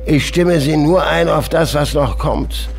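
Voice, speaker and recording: An actor playing a gruff, taunting provincial policeman with a sardonic, needling manner in an audio drama. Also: fairly high pitch, unhurried, faint music behind. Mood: taunting, pressing.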